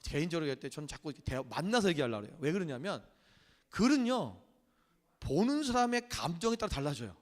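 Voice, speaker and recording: A male pastor preaching a sermon, animated and acting out the voices he quotes. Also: on the high side, fast. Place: church sanctuary. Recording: church hall with long reverb.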